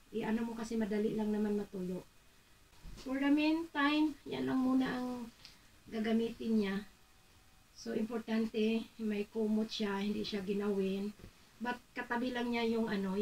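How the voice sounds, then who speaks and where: A middle-aged woman from the Philippines vlogging casually in her bedroom, chatting to viewers and mixing English words into her talk. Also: a little high. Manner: chatty, addresses viewers as mamshi, mixes English into Tagalog. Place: bedroom at home, indoors. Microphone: camera across the room. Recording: voice a bit far from the mic.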